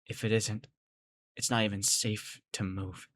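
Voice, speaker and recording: A woman narrating a first-person horror audio drama, expressive, moving between hushed narration and excited character dialogue. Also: very deep voice, unhurried, no echo, studio quality. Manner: expressive, swings from hushed to shouting. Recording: music playing behind the voice.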